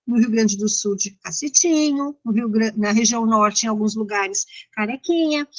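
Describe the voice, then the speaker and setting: A woman with a São Paulo Brazilian accent and a fairly high voice lectures informally. She explains things in a didactic but conversational way, as in an interactive class. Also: a bit bright. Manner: didactic, conversational, checks in with listeners. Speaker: university lecturer.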